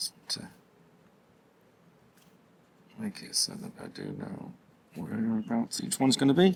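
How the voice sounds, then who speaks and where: Putting on a character voice, a man whispers and mumbles at a moderate pace with long, frequent pauses. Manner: mumbling.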